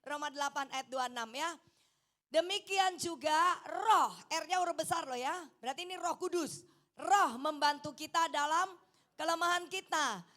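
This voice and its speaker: A middle-aged woman evangelist with an East Javanese accent, preaching a lively sermon and urging the congregation to say amen. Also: high voice. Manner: animated, mixes in Javanese, coaxes the congregation to say amen. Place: church hall.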